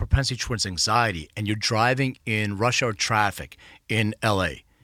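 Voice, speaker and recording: A man with a Philadelphia accent and a bright, sharp tone, ordinary pitch variation, on a very clean recording with a silent background. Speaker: cannabis genetics expert. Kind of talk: casual interview.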